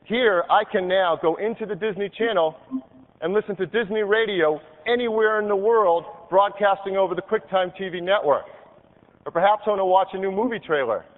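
Upbeat man, high voice, stage demo, tinny old recording with long hall echo. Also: a little fast. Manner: upbeat, walking through features while clicking. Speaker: product demonstrator on stage. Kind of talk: live keynote product demo. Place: large convention hall stage. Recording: tinny, hall-reverb archive video of a keynote.

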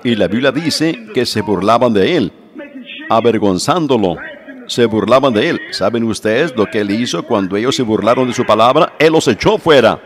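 Male preacher, mid-range voice, emphatic repetitive sermon delivery. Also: mid-range voice. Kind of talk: sermon in Spanish translation.

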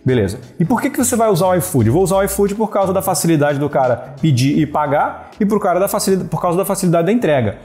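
Man, 30s, from Brazil, slightly high voice, business coach talking to camera, animated, earphone mic. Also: fast talker, hardly any pauses, soft background music. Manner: animated, gesturing, steady talk punctuated with "né?" and "beleza". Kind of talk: direct-to-camera business advice. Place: small indoor room with wooden slat wall. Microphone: wired earphone headset mic.

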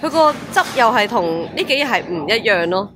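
A young woman with a Hong Kong Cantonese accent, narrating a travel vlog in a chatty, excitable way and exclaiming over food. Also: a little high, brisk. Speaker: travel vlogger. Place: restaurant table, indoors. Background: background music.

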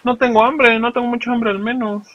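High-voiced profane Mexican young gamer. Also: male voice, level tone, brisk, a bit bright, no echo, highs cut off. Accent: Mexican Spanish. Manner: profane, joking, talks to viewers while playing. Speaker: gaming channel host. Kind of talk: casual let's play commentary.

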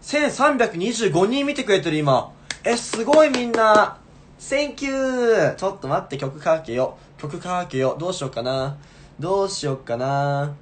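A man's voice: high-pitched, animated, a little slow, slight background noise. A man in his twenties chatting casually on a livestream, playfully repeating short phrases into a phone. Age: 20s. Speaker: live streamer chatting with viewers. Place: small room indoors. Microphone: phone at arm's length.

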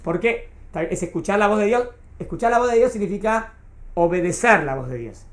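A woman's voice: medium pitch, animated, brisk. A woman teaching a class, explaining patiently and often checking that her students follow. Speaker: Torah teacher. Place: classroom with a small group. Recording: echoey classroom recording.

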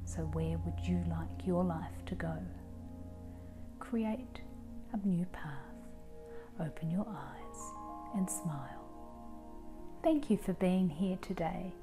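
A woman in her forties leading a guided meditation in a calm, soothing, soft voice that gets breathy at phrase ends. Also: lowish voice, takes it slowly, long pauses. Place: small living room, indoors. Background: soft music.

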